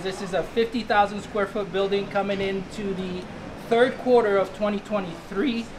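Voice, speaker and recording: Amid noticeable background noise, a man with a high pitch speaks at a fairly slow pace. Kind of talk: interview-style promo talk. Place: gym.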